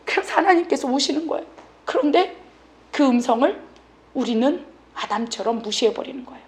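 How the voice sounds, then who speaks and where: A woman missionary pastor preaching a fervent, dramatic sermon, sometimes dropping her voice suddenly soft. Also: sits high, lively intonation, brisk.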